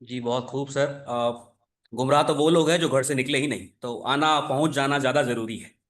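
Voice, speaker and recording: A man's voice: medium pitch, fairly bright tone. A man moderating an online session, politely reading out a participant's question over a video call. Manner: polite, reads questions aloud slowly.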